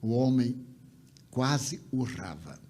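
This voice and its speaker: Older man, religious speaker, animated storyteller with wide pitch swings, middle-pitched voice, faint noise behind. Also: takes it slowly. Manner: animated narration with wide pitch swings, soft trailing line ends. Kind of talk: storytelling talk.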